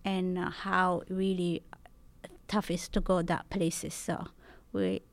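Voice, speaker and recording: A young woman, a graduate student, giving a panel presentation in halting non-native English. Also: on the low side, fairly even intonation, no room sound. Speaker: panel speaker, social work student.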